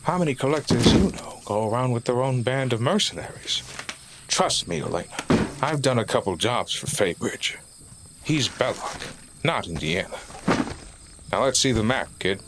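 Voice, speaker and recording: A man playing an older, wily pilot and treasure hunter in an adventure audio drama, folksy, world-weary and unhurried. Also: mid-range voice, lively intonation, very noisy, close to an everyday voice. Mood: wry warning.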